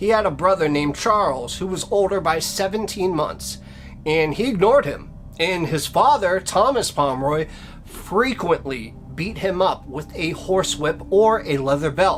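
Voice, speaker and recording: A man with an American accent speaks in a high voice at a moderate pace with lively intonation. Music plays in the background. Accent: Boston accent, toned down. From Massachusetts, south of Boston. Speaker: true crime storyteller. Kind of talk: storytelling narration.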